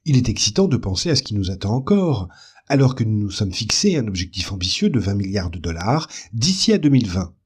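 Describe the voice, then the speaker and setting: A man reading scripted corporate training narration as an e-learning narrator, calm and explanatory. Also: lowish voice, brisk, slightly rough. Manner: calm, explanatory, pleasant delivery.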